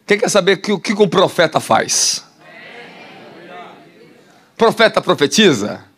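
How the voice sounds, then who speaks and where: A man with a Brazilian Portuguese accent preaching a sermon, animated and laughing, putting questions to the congregation. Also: sits high, slow pace, slightly rough. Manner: animated, asks the crowd questions, laughs often. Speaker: apostle preacher. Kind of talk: sermon teaching.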